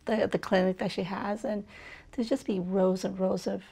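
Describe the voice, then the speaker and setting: A woman's voice: medium pitch, level tone, normal speed, creaky, mellow, breathy edge. A middle-aged woman physician from Burma, talking thoughtfully in an interview, with many fillers and restarts. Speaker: physician guest. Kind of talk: conversational interview.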